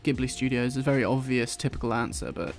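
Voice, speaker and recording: A man with an English accent softened by London, chatting casually and rambling while he draws, swearing now and then and dropping his t's. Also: mid-range voice, lively intonation, quick pace, vocal fry, soft background music. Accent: English, London-influenced. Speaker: YouTuber drawing on stream. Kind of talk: casual chat while drawing.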